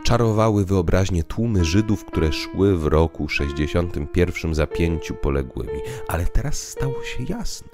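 A man's voice: low voice, animated, normal speed, hardly any pauses. A man voicing an earnest, bitter social critic in an audio drama, speaking in emphatic rhetoric. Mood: grave, emphatic. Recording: piano music underneath.

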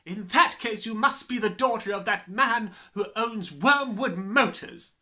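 Guy doing a nasty bossy headmistress for a kids book, high and piercing, swoops around, snaps and drags out words. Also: expressive, heavily acted. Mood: furious, menacing. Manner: shouting, snapping, drawn-out emphatic words. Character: domineering, bullying middle-aged headmistress, harsh and sneering. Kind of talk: dramatised children's storybook reading.

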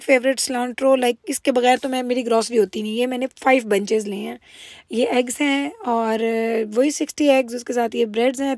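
A woman's voice: sits high, darkish tone. A woman talks through her vlog in a chatty, informal way. She drops English words into her sentences as she goes. The sound is dry, with hardly any room echo, like a close voice-over. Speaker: vlogger, homemaker. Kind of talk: casual shopping vlog narration.

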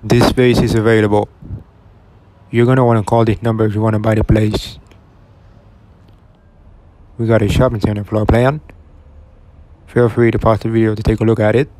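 Low-voiced man narrating a store walkthrough. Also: flat delivery, normal speed, long pauses, darkish tone. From Oregon. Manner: plain, matter-of-fact commentary. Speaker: retail explorer vlogger.

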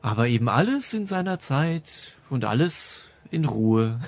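A man's voice: medium pitch, sing-song, slow, dry recording. A man hosting a podcast, reviewing in a casual, chatty and enthusiastic way with a ready laugh. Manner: enthusiastic, laughs often while talking. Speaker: podcast host reviewing audio dramas.

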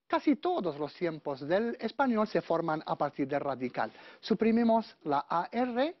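A woman teaching a Spanish grammar lesson, going slowly through verb conjugations and checking in with her students. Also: fairly low pitch, no room sound, muffled recording. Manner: slow, deliberate conjugation drills, checking with "¿vale?".

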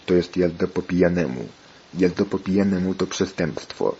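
A man voicing a stern, worried father who scolds his son, in a steady, insistent tone. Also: deep voice, moderate pace, muffled recording, a little hiss or hum. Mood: scolding.

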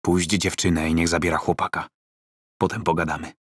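Man reading embittered fight coach, blunt, cold, menacing, deep low voice, dry close sound. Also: little pitch movement, fairly quick, no echo. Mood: cold warning. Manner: blunt, coldly threatening. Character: tough embittered male fight coach facing thugs.

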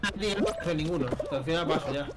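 A man's voice: on the high side, quick pace. A man playing along, grumbling and sarcastic in casual chat. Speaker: co-player. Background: game music.

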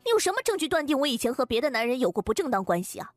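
A woman playing an anxious young wife in an audio drama, earnest and quick to protest. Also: high-pitched, big pitch swings, no echo, faint music behind. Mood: outraged. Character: anxious, indignant young wife, a clinic patient.

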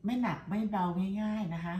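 This cooking vlogger from Thailand, middle-aged, speaks fairly quickly in a mid-range, slightly mellow voice. She laughs and chats as she makes breakfast in her home kitchen, sprinkling in polite tag words nonstop, and the sound is reverberant.

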